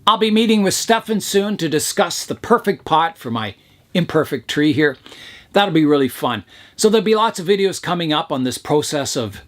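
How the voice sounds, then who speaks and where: A man hosting his bonsai channel, talking casually while he works on a tree, his voice hoarse from talking too much. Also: fairly high pitch, very animated, moderate pace, fairly bright tone. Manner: rambling, chatty, talks while pruning. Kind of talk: casual narration while working.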